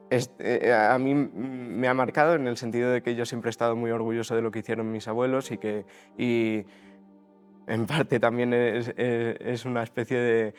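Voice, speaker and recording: A man in his twenties from Spain's Basque Country, giving a testimony in an interview and often stopping to restart his words. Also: mid-range voice. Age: 20s. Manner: hesitant, many restarts and fillers.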